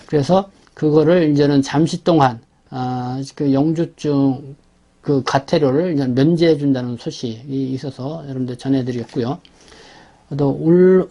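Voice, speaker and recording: A man with a fairly high-pitched but soft, mellow voice presents a community news briefing. He explains each item in a semi-scripted way, halting and correcting himself as he goes. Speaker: host presenting a community newspaper's issue.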